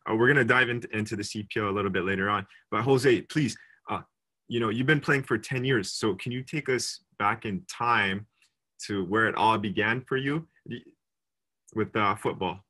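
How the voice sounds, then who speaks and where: Man, podcast host, low husky voice, bright edge, friendly interviewer. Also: moderate pace. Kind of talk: hosting an interview.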